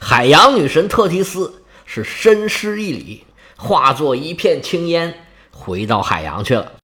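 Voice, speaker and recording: A man tells an old myth as a lively, chatty storyteller. His voice sits fairly high and leaps around with great energy. He slips in casual asides to the listener. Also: a little slow. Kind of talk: storytelling narration.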